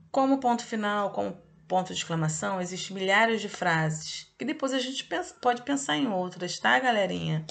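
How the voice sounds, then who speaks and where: A woman gives a recorded lesson to young children in a gravelly, slightly creaky voice. She leans on each key word and drops frequent "okay?" checks to the class. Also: mid-range voice. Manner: didactic, drawn-out emphasis, checks in with "ok?" and "tá?". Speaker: teacher. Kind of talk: online review lesson for children.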